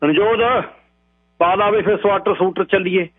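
A man's voice: high voice, moderate pace, no room sound, pitched above the performer's own voice. A man voicing a stern, menacing police inspector who barks orders, heard over a tinny radio broadcast with a hum. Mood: commanding. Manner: bossy, menacing, orders people about. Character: stern middle-aged male police inspector.

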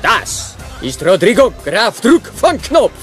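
An actor playing a brash, theatrical robot joker in a children's audio play, pompous and clownish. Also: male voice, sits high, very animated, slow pace, full character voice. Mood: pompous, grand. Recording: music and crowd behind voice.

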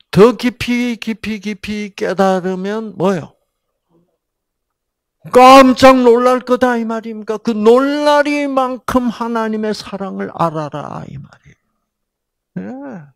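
A man's voice: sits high, no room sound, studio quality. An older man giving a Bible lecture in storytelling style, acting out voices and asking his audience questions.

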